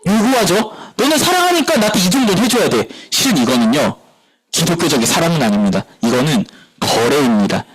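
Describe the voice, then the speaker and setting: Man, pastor, sermon, husky voice, lively rising and falling pitch, fairly high voice, radio-like sound. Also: fairly quick, rough recording. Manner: animated preaching, asks the congregation questions and answers himself. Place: church service.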